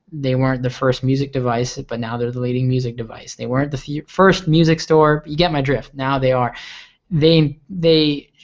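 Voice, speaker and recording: Eager rambling young man, lo-fi stream. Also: mid-range voice. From Okinawa, Japan. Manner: eager, rambling, repeats words. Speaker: livestream host. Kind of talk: live Q&A tech stream. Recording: lo-fi livestream audio.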